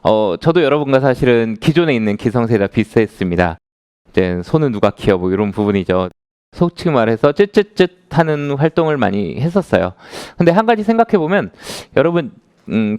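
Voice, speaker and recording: Animated lecturing man in his thirties. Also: medium pitch, clean tone, no room sound, clean studio sound. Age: 30s. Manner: conversational, asks the audience questions. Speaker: author giving a lecture. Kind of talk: lecture to a live audience.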